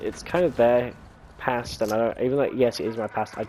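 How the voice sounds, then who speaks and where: A man's medium-pitched voice with an English accent, fairly quick, over noticeable background noise. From England, Hull. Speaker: gaming YouTuber. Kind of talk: casual gameplay commentary, life story. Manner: halting, many fillers.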